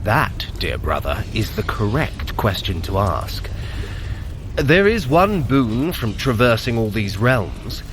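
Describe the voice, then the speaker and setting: An actor playing a sly, sardonic trickster god in an audio drama, speaking in a dry, arch, haughty manner. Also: male voice, lowish voice, big pitch swings, takes it slowly, a bit bright, slight background noise, heavily acted. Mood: musing. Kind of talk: audio drama fitness-adventure acting.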